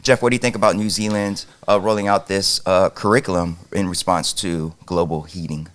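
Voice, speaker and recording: Low-voiced male podcast co-host. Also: fairly even intonation, brisk, a bit bright. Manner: upbeat, steering the show's segments. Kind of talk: reading news headlines and casual chat.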